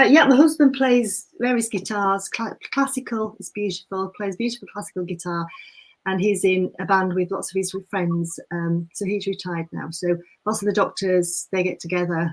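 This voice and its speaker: This woman speaks with a Yorkshire accent. Her pitch variation is ordinary. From West Yorkshire, England. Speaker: druid practitioner, nurse. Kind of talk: casual chat. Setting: live video stream.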